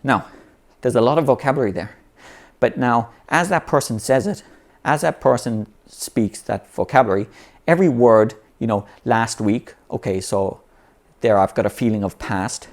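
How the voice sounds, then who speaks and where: A man's voice: mid-range voice, moderate pace. A man teaching how to learn vocabulary in an easygoing, unscripted way, often restarting phrases and saying "you know". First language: English. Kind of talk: unscripted explanatory talk.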